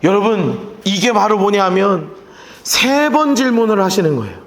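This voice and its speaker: A high-pitched man preaching to his congregation, his voice rising and falling widely as he questions them and acts out the people in his story. The sound carries the long, echoing reverb of a large church sanctuary. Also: very animated, normal speed. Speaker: pastor. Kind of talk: sermon.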